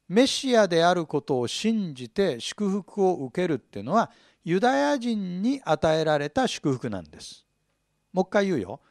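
A middle-aged male pastor giving an expository Bible sermon, teaching in an animated way and asking his listeners questions. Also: sits high, no room sound, studio quality.

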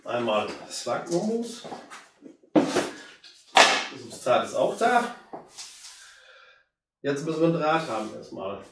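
A hoarse man in his fifties with a cold, chatting casually to viewers as he works on a plant. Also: on the high side, slow, pauses often, far from the mic, very noisy. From Germany. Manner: relaxed, chatty, addresses viewers directly. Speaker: bonsai hobbyist. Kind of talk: casual how-to commentary while working. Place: indoor room with curtain backdrop. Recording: very echoey room, voice off-mic.

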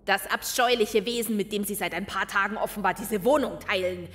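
A woman's voice: medium pitch, a little fast, fairly bright tone, in a large hall, lightly acted. A woman playing a stern, indignant landlady with a pompous, scolding manner in an audio drama. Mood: stern, demanding. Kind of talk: German amateur audio drama acting.

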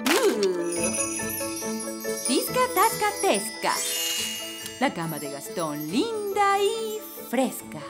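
A bossy fairy nanny with a high voice that swoops wildly. She grumbles and chants spells in brisk, theatrical Latin American Spanish for a children's cartoon, with music playing behind her. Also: heavily acted.

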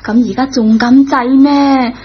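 A high-voiced schoolgirl, impulsive but good-hearted. She pleads earnestly in radio drama style. The sound is dull and lo-fi. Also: fairly even intonation, a little slow, slight background noise. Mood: defensive. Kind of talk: Cantonese radio drama acting. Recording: dull, lo-fi old radio recording.

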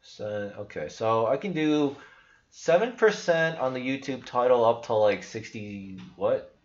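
A man's voice: medium pitch, expressive, a little slow. A young man hosting a crypto channel, talking casually over a screen share in a blunt, skeptical, rambling way with restarts. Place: small room indoors. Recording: echoey room, dull lo-fi sound.

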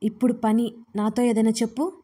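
A frightened young woman speaks in a hushed, broken voice, close to tears, as a female storyteller puts her on. Her voice sits fairly high and dark, with very little rise and fall. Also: flat delivery, husky. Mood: teasing. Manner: soft, halting, tearful. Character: young woman, distressed and fragile.

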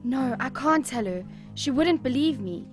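A woman's voice: high-pitched, expressive, a little slow. A woman playing a troubled, hesitant young boy in an audio drama, with guitar music behind. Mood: anxious, reluctant.

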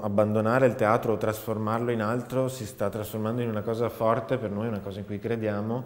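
A man in his thirties speaks with a fairly low voice in a reflective interview. He is thoughtful and often searches for the next phrase. The sound is echoey, with the long reverb of a big empty studio. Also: a little mellow. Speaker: multimedia theater artist. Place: large dark indoor studio, seated.

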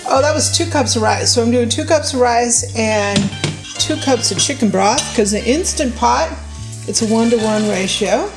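A woman's voice: on the high side, normal speed, over music, low-quality recording. A woman casually narrating her home cooking in a chatty, unscripted way, thinking aloud as she goes. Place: home kitchen, indoors.

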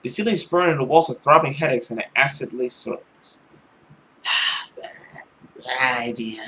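A young man reading a visual novel aloud dramatically, with an expressive, theatrical manner. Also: medium pitch, slight background noise, low-quality recording. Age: young adult. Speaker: let's play host. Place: small indoor room at home. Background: music.

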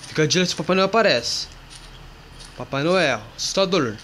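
Excitable male gamer, lively swooping voice, faint hiss behind. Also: on the high side, brisk. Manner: excitable, yelps at jump scares, talks to viewers and a friend. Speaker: gamer playing a horror game. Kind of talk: casual gameplay commentary.

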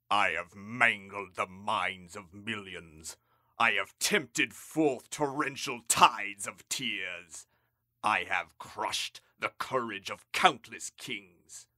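A man's voice: mid-range voice, bright, forceful tone, no room sound, clean studio sound. A man voicing a boastful, theatrical evil ruler of the galaxy in a grandiose cartoon villain style. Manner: grandiose, declaiming. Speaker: voice actor. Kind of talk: cartoon villain monologue in a demo reel.

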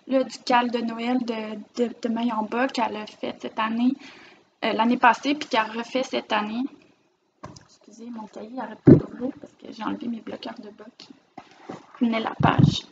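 A woman's voice: fairly high pitch, lo-fi sound, slight background noise. Chatty Québécois woman knitting vlogger. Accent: Quebec French. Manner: chatty, rambling, warm about her projects. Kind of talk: casual show-and-tell vlog. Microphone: camera mic, filming herself.

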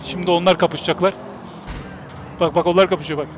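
A man in his forties chatting bluntly while playing a game, swearing freely and breaking into excited shouts. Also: sits high, brisk, lo-fi sound, noisy background. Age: 40s. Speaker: gaming streamer. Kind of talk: casual gameplay commentary.

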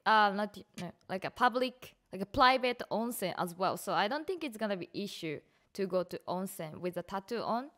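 A young Japanese woman with a Japanese accent, hosting a casual streamed chat in a bedroom on a headset, chatty and quick to laugh. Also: mid-range voice, expressive, a bit bright. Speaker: streamer and podcast host. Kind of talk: casual chat, switching between English and Japanese. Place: bedroom at home.

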